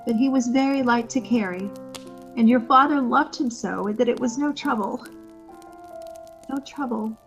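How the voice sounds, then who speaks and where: Woman playing gentle, sorrowful mother, muffled. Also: fairly high pitch, normal speed, pauses often, soft background music, natural voice. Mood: tender sorrow. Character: tender, grieving mother and wife. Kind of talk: radio drama acting.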